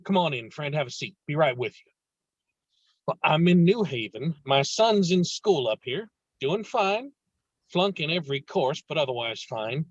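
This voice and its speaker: A man's voice: on the high side, animated, moderate pace, dry recording, muffled recording. A man playing a domineering, blustering 1920s businessman father in a table read, brusque and insistent. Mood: brusque, confiding.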